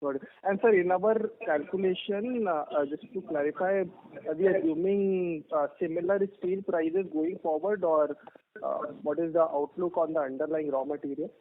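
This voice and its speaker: A man's voice: fairly high pitch, normal speed. A man with an Indian accent politely asking questions as an analyst on an earnings call. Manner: polite, deferential. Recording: phone line with noise, clicks.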